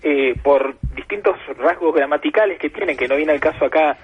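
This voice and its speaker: A man's voice: fairly high pitch, fairly quick, slightly rough. A man with an Argentine accent, speaking as a guest expert on a radio interview, patient and professorial, building his points with examples. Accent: Argentine Spanish. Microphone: telephone. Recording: muffled phone line on radio.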